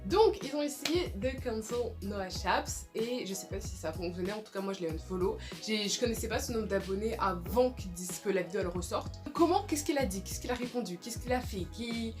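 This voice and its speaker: A woman's voice: medium pitch, expressive, fairly quick, few pauses, over music. A young woman giving casual, emphatic commentary in a vlog, repeating her points and often saying sorry. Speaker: video creator.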